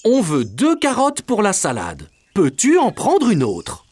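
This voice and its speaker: A man playing a warm, patient dad in a children's cartoon dub, encouraging and teaching a small child. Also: high-pitched, wildly swooping pitch, unhurried, husky, full character voice. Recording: music behind the voice.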